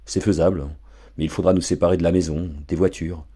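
A man reading aloud, voicing a gloomy, blunt father in a low, sullen tone. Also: little pitch movement, quick pace, dark tone, breathy edge. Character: gruff bankrupt father, sullen.

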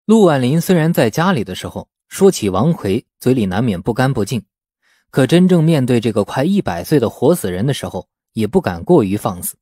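A man narrating a novel as an audiobook, telling the story in an expressive, dramatic scripted style. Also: medium pitch, brisk, breathy edge, dry recording, clean studio sound.

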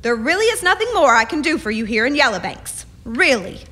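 Radio play lead: actress as a strong-willed, proper young frontier woman, high bright voice, formal phrasing. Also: very animated, brisk, heavily acted. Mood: firm, uneasy. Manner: formal, wordy, insistent. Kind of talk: radio drama acting.

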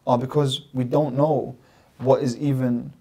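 Recorded on a stand-mounted desk mic in a small, plant-filled studio, a London man in his thirties, a religious scholar, guests on a podcast. His warm, dark, mid-range voice has a breathy edge, and he speaks unhurriedly and flatly yet emphatically. He explains earnestly and repeats phrases in lists.

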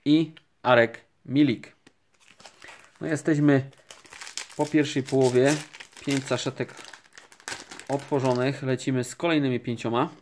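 A man giving calm, unhurried commentary while opening sticker packs, naming each card as it appears. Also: mid-range voice, a little hiss or hum. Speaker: card collecting vlogger. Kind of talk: casual pack-opening commentary. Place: indoors at a table, camera overhead on hands.

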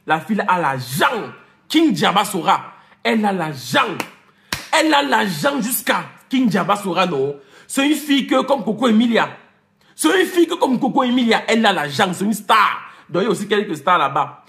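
A man's voice: high voice, big pitch swings, moderate pace, gravelly, fairly bright tone. A man ranting and teasing his viewers in a comic vlog, repeating names, slipping into English and laughing as he talks. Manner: laughs while talking. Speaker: vlogger. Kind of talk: comic rant to camera.

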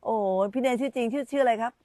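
On a live stream, a woman meditation teacher gives an informal dharma talk, chatting and repeating her phrases with children around her. Her voice is a little high, mellow and steady in tone, and she races along with no room sound.

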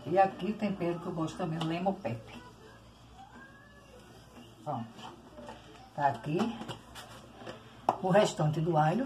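An older Brazilian woman in her sixties chattily demonstrating home cooking, often addressing her viewers directly. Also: deep voice. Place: home kitchen, indoors. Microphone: phone on tripod, short distance. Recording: noisy kitchen with clattering dishes.

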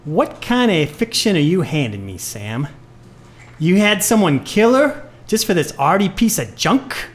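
A woman's voice: fairly low pitch, big pitch swings, a little slow. A woman acting a bitter, wisecracking retired male jazz musician in a live noir audio play, talking in hep-cat slang. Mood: scornful. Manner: hep-cat slang, sardonic, stammers when rattled. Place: live on stage in a club.

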